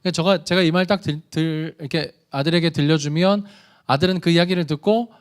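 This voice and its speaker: A man preaching a sermon as youth pastor in a church service, telling stories in a lively, conversational way and asking the listeners questions. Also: a little high, fast, clear, resonant tone. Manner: animated, conversational storytelling; addresses the congregation directly with questions.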